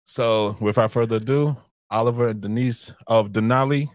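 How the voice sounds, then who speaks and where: A man's voice: mid-range voice, fairly even intonation, moderate pace, no room sound, studio quality. A man hosting a podcast in a casual, friendly way, chuckling often and repeating himself. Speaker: podcast host. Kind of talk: casual chat.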